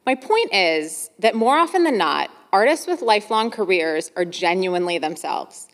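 A woman's voice: medium pitch, expressive, moderate pace. A woman hosting a podcast, speaking in an encouraging, emphatic way. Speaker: podcast host. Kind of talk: scripted monologue, then conversational interviewing. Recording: echoey hall-like reverb.

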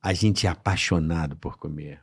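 A man in casual podcast chat, relaxed and joking, with plenty of slang. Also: extremely low pitch, moderate pace, slightly rough.

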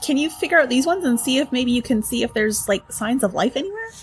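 A woman playing a tabletop game in character, lively and casually swearing. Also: high-pitched, fast, slight background noise. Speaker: player.

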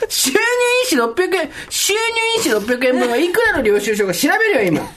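A woman hosting a podcast, talking fast and joking with her co-host. Her pitch swings widely as she tells stories and teases. She laughs through many of her lines. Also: a little hiss or hum. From Tokyo, Japan. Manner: quick, animated, jokey, laughs often. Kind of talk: casual chat.

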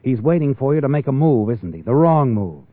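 An actor playing a sinister, taunting narrator of a 1940s radio crime drama, insinuating and deliberate. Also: male voice, medium pitch, sing-song, dry recording. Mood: menacing, taunting. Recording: tinny, band-limited 1940s radio with music.

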